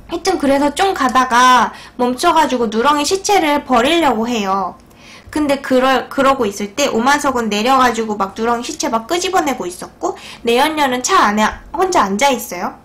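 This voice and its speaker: A woman's voice: high voice, a bit bright. A woman casually retelling a film's plot in a chatty, polite way, as if talking to a friend. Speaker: YouTuber.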